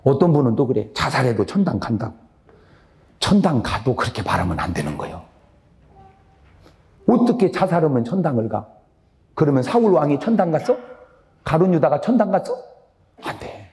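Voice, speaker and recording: A man leads a revival sermon from the pulpit of a church, his voice sitting a little high and moving over a very wide pitch range. He keeps throwing questions to the congregation and waits for them to answer. His loud high lines drop suddenly into low, quiet ones. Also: normal speed, long pauses. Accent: Korean. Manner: call-and-response questions to the congregation; animated, swings between loud high lines and low drops. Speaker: pastor. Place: church sanctuary.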